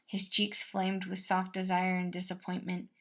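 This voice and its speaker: A woman reading a scripted story aloud as narrator, expressive and measured. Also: lowish voice. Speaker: fan-fiction podfic reader.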